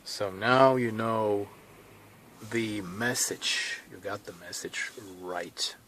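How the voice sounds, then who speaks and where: A man in his thirties with a Swedish accent, talking casually to camera from inside a car, thinking aloud with pauses and restarts. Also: on the low side, a bit bright, slight background noise, low-quality recording. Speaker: vlogger.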